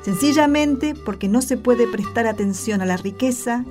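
Higher-voiced Argentine woman presenting. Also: normal speed, over music. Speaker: radio drama presenter. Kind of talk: scripted explanatory dialogue.

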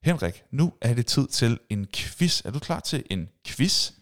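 A man's voice: medium pitch, very animated. A man hosting a podcast, telling personal stories in a casual chat and acting out screams and sound effects. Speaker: podcast host.

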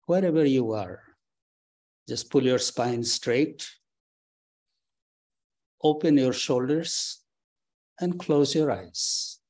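A man leading a guided breathing meditation, giving slow, calm, soft instructions with long pauses. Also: mid-range voice. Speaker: meditation teacher. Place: temple or meditation hall.

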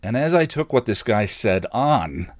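A middle-aged man hosting an online show, speaking in a candid, halting, thoughtful personal monologue. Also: mid-range voice, very animated, dry recording, clean studio sound.

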